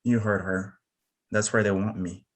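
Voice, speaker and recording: A man acts out a stubborn small-town man in a drama script. The voice is on the low side, with a protective, authoritative manner. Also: fairly even intonation, normal speed, lightly acted. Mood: resolute. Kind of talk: screenplay table read.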